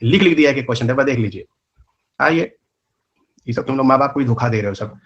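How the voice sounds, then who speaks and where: A man with a mid-range, expressive, fairly bright voice, heard in lo-fi sound, teaches a live online exam-prep lecture in a rural north Indian Hindi accent. He speaks rapid colloquial Hindi sprinkled with English terms, firing off rhetorical questions and scolding his students.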